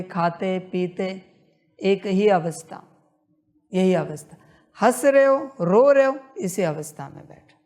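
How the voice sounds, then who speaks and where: Woman, meditation guide, very slow pace, mid pitch, repetitive, insistent. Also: a little mellow.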